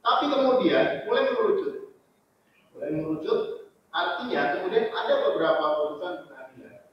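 Man answering from a distant echoey hall. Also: a little high. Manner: measured, hesitant with frequent "eh" fillers. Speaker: doctoral candidate. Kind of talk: formal academic defense answer. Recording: distant, roomy, muffled with faint noise.

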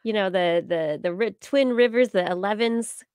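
A woman's voice: mid-range voice, moderate pace, darkish tone, clean tone, dry recording. A woman, chatting casually as a science podcast host on a close studio microphone. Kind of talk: casual conversational chat. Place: small indoor studio with backdrop. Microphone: large close studio microphone.

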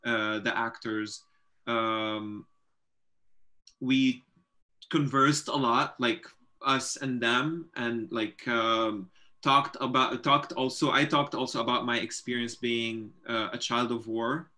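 A man in his thirties with a Lebanese accent, a filmmaker giving casual explanations in an interview on a video call, halting and repeating words. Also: mid-range voice, steady tone, bright, forceful tone. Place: home room with bookshelves, video call. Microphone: computer microphone on video call.

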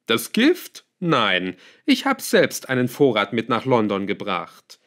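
A man voicing a scheming male villain in an audiobook, calm, smug and lightly scornful. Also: mid-range voice, slow, exaggerated voice. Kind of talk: audiobook character voice.

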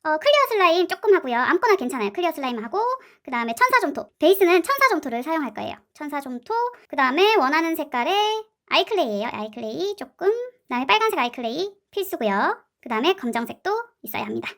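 Woman hosting a craft tutorial, very high voice, bouncy and animated, fast chatty pace. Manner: playful, chatty, with cute sound words. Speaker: slime and clay craft channel host. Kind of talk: casual craft tutorial narration.

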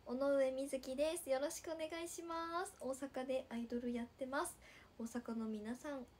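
A young woman with a Nagasaki accent, chatting on a sleepy late-night livestream and reading viewer comments, slipping into soft whispers. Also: sits high, fairly even intonation, normal speed, a little hiss or hum. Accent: Nagasaki dialect. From Nagasaki, Japan. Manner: drowsy, drifting into soft whispers, then bright squeals for viewers. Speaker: idol livestreamer.

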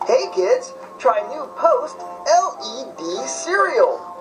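A woman's voice: sits high, very animated, takes it slowly, music in the background, heavily acted, poor audio. A woman playing an upbeat announcer in a parody children's cereal commercial, with a peppy sales manner. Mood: peppy selling. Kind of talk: children's TV advertisement read.

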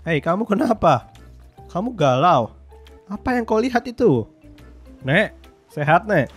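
A young man from Indonesia, giving excitable, slangy gameplay commentary. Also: sits high, unhurried, slightly rough, faint music behind. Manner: excitable, slangy, swears in English often. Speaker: gaming YouTuber.

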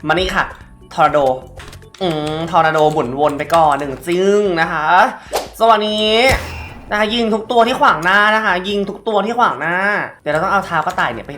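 A woman's voice: on the low side, lively intonation, brisk, fairly bright tone, faint music behind. A woman hosting a game let's play, chatting politely and shrieking now and then. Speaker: gaming host.

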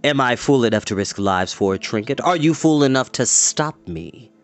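A man voicing a cruel, cocky brigand leader in an audiobook, taunting and menacing with theatrical, drawn-out delivery. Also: medium pitch, animated, natural voice. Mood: cruel mockery.

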